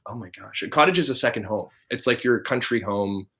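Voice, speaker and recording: Guest, man from Canada, mid-pitched voice, earnest, gropes for words. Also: brisk, pushed and bright. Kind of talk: casual video chat.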